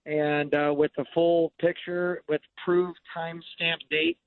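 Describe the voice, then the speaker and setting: A man's voice: on the high side, little pitch movement, slow, no room sound. Man on a tinny phone line that keeps breaking up. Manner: plain-spoken, easygoing, with frequent "uh" fillers. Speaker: fishing guide and association president. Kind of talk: call-in radio interview. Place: on a fishing boat.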